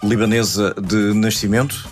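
Male host interviewing someone, finishes their sentences, music clearly playing behind. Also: on the low side, level tone, moderate pace. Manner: prompting, finishes the guest's sentences. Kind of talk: radio-style interview.

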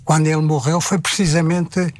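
An older man with a European Portuguese accent, a retired publisher reflecting at a measured pace and repeating phrases as he thinks. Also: fairly high pitch, little pitch movement, no echo. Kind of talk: reflective conversation.

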